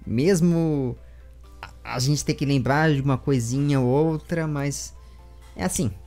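A man's voice: mid-range voice, a little slow, a little mellow, soft background music. A man in his twenties with a Brazilian accent, casually hosting an online interview and chatting to viewers. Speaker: interviewer and channel host. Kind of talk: casual video chat with viewers. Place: small room with bookshelves. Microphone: large studio microphone up close.

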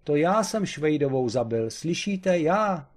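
A man voicing a hysterical male painter who pleads in a shrill, desperate voice. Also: lively intonation. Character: hysterical male quick-sketch painter confessing.

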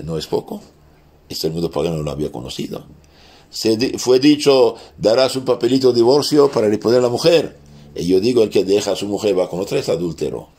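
Priest with a French accent, very low voice, halting catechism teacher who quotes scripture. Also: male voice, a little mellow. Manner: halting, with many restarts, quoting scripture aloud. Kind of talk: catechism lesson.

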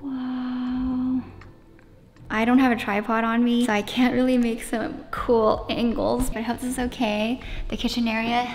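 A woman's voice: on the high side, level tone, measured pace, slight background noise. A young woman vlogging a cheerful, chatty tour of her new house, filmed on a handheld phone. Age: young adult. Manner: bubbly, chatty, upbeat. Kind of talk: casual vlog house tour. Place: empty new house, big bare rooms. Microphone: handheld phone camera. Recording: echoey empty rooms.

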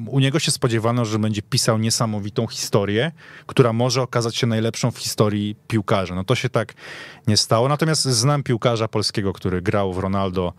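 A man's voice: fairly low pitch, no echo. A man chatting casually and emphatically about football as a guest on a studio show. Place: radio studio.

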